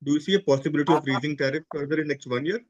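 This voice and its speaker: A man's voice: a little high, racing, dull audio. A man asking questions as an analyst on a conference call, somewhat hesitantly.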